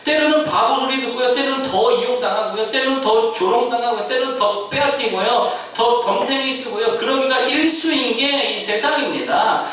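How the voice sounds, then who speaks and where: High, lively preacher in an echoey church. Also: male voice, normal speed, few pauses, distant mic. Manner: asks the congregation questions and answers them himself. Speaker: pastor. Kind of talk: sermon. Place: church sanctuary.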